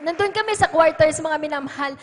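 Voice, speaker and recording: A woman with a Filipino accent gives an earnest testimony from the pulpit of a church hall. Her voice sits very high, and she keeps addressing the congregation as beloved. The livestream carries the hall's long reverb around her. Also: a little fast, some chatter behind, slight background noise. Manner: earnest, repeats "mga minamahal" as address. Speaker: church worker giving testimony. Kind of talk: testimony at Sunday worship. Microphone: pulpit microphone.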